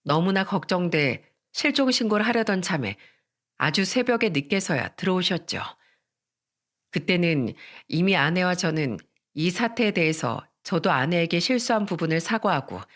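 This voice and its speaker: Story narrator, confessional first-person reading, even mid pitch. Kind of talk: scripted narration of a listener story.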